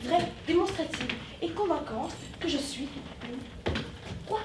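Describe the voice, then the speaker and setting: A woman's voice: sits high, lively intonation, slow pace, recorded from a distance. A young woman playing a pompous, pedantic male doctor in a stage comedy, lecturing in long declamatory lists. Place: theatre stage. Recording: roomy stage sound from afar, faint noise.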